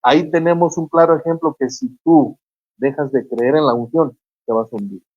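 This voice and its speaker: A preacher, preaching fervently on a Christian radio show and retelling scripture stories with acted quotes. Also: female voice, deep voice, moderate pace, no echo, narrow, tinny audio. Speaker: guest preacher on a radio program.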